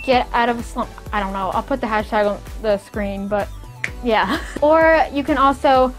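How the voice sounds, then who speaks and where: A woman's voice: a little high, moderate pace, music in the background. A young woman talking to her camera as a YouTuber, rambling with many fillers, giggling now and then and stuttering at times. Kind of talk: casual vlog advice.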